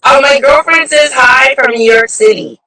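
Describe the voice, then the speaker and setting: A woman from Hawaii hosting a chatty live interview, bubbly and quick to laugh, on her phone. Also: sits high. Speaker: show host. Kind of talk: casual live-stream interview. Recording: distant phone mic.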